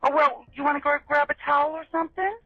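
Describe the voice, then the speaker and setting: A woman's voice: sits high, steady tone, fast talker, bright, forceful tone, no room sound. Reassuring woman dispatcher on a muffled phone line. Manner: reassuring, uses endearments with a child. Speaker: emergency call dispatcher. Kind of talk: calming emergency phone questioning. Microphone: telephone.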